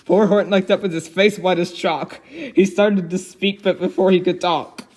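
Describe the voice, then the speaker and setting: A man voicing a cheerful young girl who reads a storybook aloud in an expressive, giggly way. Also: high-pitched, moderate pace. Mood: animated storytelling. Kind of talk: dramatic storybook reading with giggly asides.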